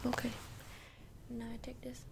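Woman doing a soft-spoken, bossy Asian-accented makeup doctor. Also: a little high, completely flat delivery, normal speed, creaky, noisy background, pitched above the performer's own voice. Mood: focused, repetitive. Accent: put-on Asian. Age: young adult. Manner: blunt, broken-English, repetitive. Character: bossy, blunt, boastful female makeup doctor. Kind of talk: ASMR role-play. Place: small bedroom indoors. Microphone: close desktop microphone with foam cover.

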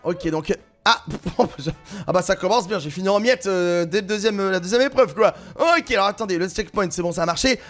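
A man with a French accent giving excited gameplay commentary, exclaiming and laughing often as he plays. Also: sits high. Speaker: gaming YouTuber.

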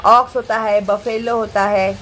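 A young adult woman, teaching a children's English lesson in a lively, coaxing way, reading riddles slowly and then explaining them. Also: mid-range voice, slight background noise.

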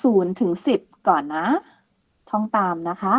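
A woman giving a patient counting lesson, repeating each word slowly and clearly and ending phrases politely. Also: on the low side. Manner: polite, ends phrases with soft particles. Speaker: language teacher. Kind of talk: slow step-by-step counting lesson.

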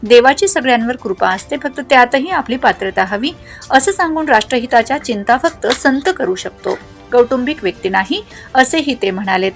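A woman's voice: fairly high pitch, lively intonation, normal speed, faint music behind. Woman reading a formal news report. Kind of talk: scripted news voice-over.

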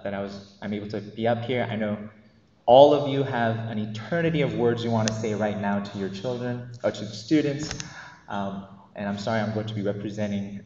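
A man's voice: on the low side, darkish tone. A man in his thirties giving a commencement speech as a teacher at a podium mic in a large hall, hesitant and nervous with many ums. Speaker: commencement speaker, math teacher. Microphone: podium microphone. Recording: echoey hall, dull lo-fi sound.

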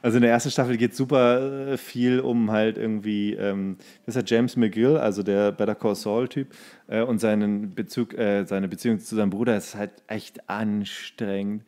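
A man's voice: on the low side, fairly even intonation, moderate pace, warm tone. A man co-hosting a podcast, chatting casually and jokingly in a loose, colloquial, teasing way. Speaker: podcast co-host. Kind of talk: casual joking chat about TV series.

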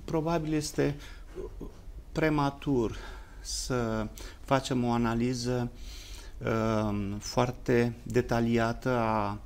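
A man with a Romanian accent speaking as a guest commentator in a formal political discussion, using elaborate, lofty academic phrasing with long pauses. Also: medium pitch, fairly even intonation.

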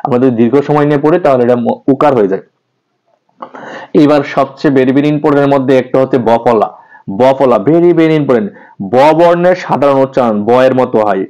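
A man's voice: mid-range voice, a little mellow, lo-fi sound. A male teacher giving an exam-prep grammar lesson, repeating example words aloud and asking and answering his own questions, with English words casually mixed in.

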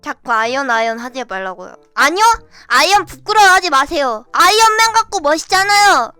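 A bubbly, teasing woman hosts a playful livestream with a high, bright voice. Faint music plays softly behind her as she chats. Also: sing-song, brisk. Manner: bubbly, teasing, mock-archaic advice voice. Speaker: streamer host. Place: virtual world livestream.

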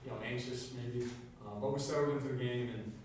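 A middle-aged man, a basketball coach, answering questions after a game, halting with many fillers and restarts. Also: medium pitch, steady tone, darkish tone. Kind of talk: post-game press conference. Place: small room with a table and a banner. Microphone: far camera. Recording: echoey room from far off, background hiss.

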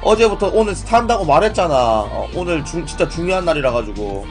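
A man's voice: fairly high pitch, sing-song, fast. A man with a strained throat hosting a gaming live stream, chatting informally and often putting questions to his viewers. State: strained throat, voice in poor condition. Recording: music playing behind the voice. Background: music, keyboard typing.

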